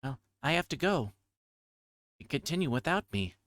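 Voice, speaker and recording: A man's voice: a little high, sing-song, normal speed, a bit bright, dry recording, clean studio sound, pitched above the performer's own voice. A man voicing a wary schoolgirl from a visual novel in a guarded, terse way.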